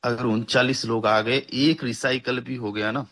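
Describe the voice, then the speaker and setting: A young man delivers a persuasive network marketing pitch, hyping income figures and repeating numbers for emphasis. His voice sits in a middle range and he keeps addressing listeners as friends. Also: fairly even intonation, moderate pace, fairly bright tone.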